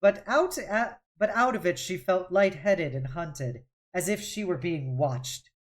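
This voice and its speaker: A woman reading a novel aloud on a stream, in a dramatic, expressive audiobook style. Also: fairly low pitch, measured pace. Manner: dramatic, with occasional stumbles and self-corrections. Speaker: streamer hosting a read-along.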